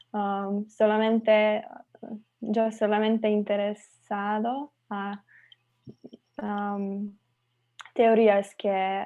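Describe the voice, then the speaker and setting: With a Slovenian accent, a woman talks at a medium pitch and a very slow pace. Her intonation is monotone and flat, broken by long, frequent pauses. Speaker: language student. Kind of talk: language lesson conversation. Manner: halting.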